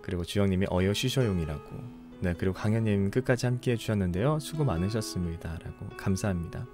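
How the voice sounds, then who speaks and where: A tired young man from Ulsan, hosting a late-night reading stream, chatting softly and unhurriedly as he thanks listeners. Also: low-pitched, animated, music in the background. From Ulsan, South Korea. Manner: soft, unhurried, apologetic and thankful. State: tired after a long broadcast. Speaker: book-reading livestream host. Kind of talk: casual chat reading listener comments.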